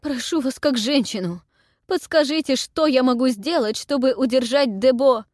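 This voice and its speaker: A woman's voice: high voice, normal speed, a little mellow, no echo, studio quality, pitched above the performer's own voice, lightly acted. A woman voicing a frantic, wailing old historian. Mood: frantic pleading. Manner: wailing, breathless pleading. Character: frantic elderly male historian, lovestruck and excitable.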